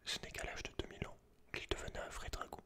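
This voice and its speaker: Whispering man, soft ASMR delivery. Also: fast talker. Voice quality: breathy, unvoiced whisper. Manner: informal, slangy, chatty asides. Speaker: host of an ASMR channel. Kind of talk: whispered ASMR, reading aloud with casual commentary. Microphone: close ASMR microphone.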